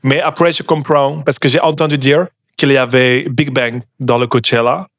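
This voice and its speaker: A man's voice: medium pitch, fairly even intonation, moderate pace, a bit bright, dry recording, studio quality, natural voice. A man from Bordeaux hosting a comedy podcast, putting on a fake American accent in French, rude and mock-apologetic, dropping English words in. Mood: snarky. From Bordeaux, France. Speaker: podcast host.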